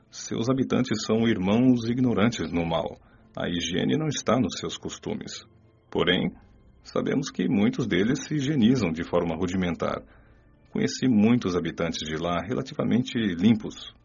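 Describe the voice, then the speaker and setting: An actor playing Maurício, a calm male spirit guide explaining things in a measured tone in a radio drama. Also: deep voice, vocal fry, slightly rough, muffled recording, full character voice.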